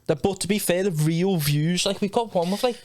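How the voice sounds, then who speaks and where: Young guy hosting a podcast, bit high voice, matey slangy chat, lots of tag questions. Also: brisk, darkish tone. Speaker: podcast host. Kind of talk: casual interview chat.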